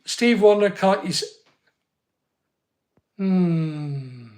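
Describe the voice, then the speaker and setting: A man's voice: sits high, animated, extremely slow, darkish tone. A middle-aged man with a Northern Irish accent, chatting casually to his channel while directing a helper at work, recorded from a distance in an echoey room. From England. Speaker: channel host. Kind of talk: casual chat while working. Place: studio room under construction, indoors. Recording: echoey room, distant mic, faint noise.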